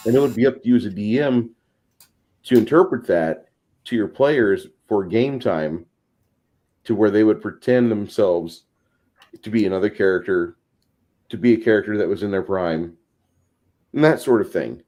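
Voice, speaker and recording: A man's voice: on the low side, normal speed, long pauses, warm tone. A man in a casual panel discussion, explaining at length in wordy, slightly formal phrasing. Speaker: tabletop gaming discussion panelist.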